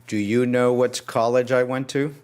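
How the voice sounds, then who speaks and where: A man's voice: mid-range voice, little pitch movement, moderate pace, a little mellow, clean tone. A man co-hosting an interview, asking friendly questions and giving short affirmations. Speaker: co-host. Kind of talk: casual interview talk.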